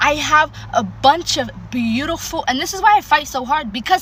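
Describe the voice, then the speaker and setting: Amid noticeable background noise, a woman uses a raised, projected voice with an animated tone and lively intonation at a moderate pace. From Ethiopia (Addis Ababa), raised mostly in US. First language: Amharic. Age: adult. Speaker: vlogger. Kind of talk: casual monologue.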